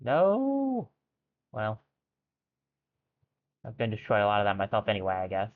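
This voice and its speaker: A man's voice: lowish voice, little pitch movement, racing. A man streaming a video game and thinking aloud in casual commentary, with wry jokes at his own expense. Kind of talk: casual let's-play commentary. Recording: tinny phone-like sound.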